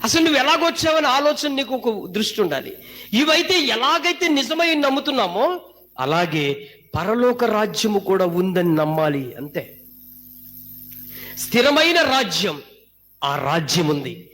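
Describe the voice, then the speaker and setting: Male pastor, very high voice, fiery and scolding from the pulpit, acts out quoted voices. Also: very animated, moderate pace, pauses often, fairly bright tone. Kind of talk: sermon.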